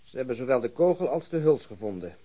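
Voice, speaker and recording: An actor playing a matter-of-fact police detective who explains a case drily in a Dutch radio crime drama. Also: male voice, mid-range voice, big pitch swings, quick pace, dark tone, slightly rough.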